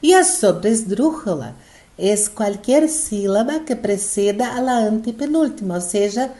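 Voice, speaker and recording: A woman teacher with a Brazilian Portuguese accent walks students through a recorded lesson, step by step. Her voice is mellow and relaxed, at a middle pitch. She keeps checking that everyone is following along. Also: a little slow. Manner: patient, explaining step by step with frequent "tá?" checks. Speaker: Spanish teacher.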